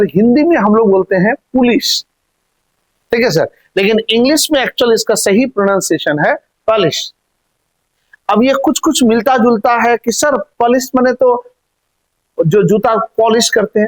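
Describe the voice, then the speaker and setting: A male grammar teacher explains, constantly asking questions and answering them himself. He repeats words for emphasis and keeps addressing the class as "sir". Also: high-pitched. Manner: calls listeners "sir" often. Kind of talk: classroom-style grammar lesson in Hindi.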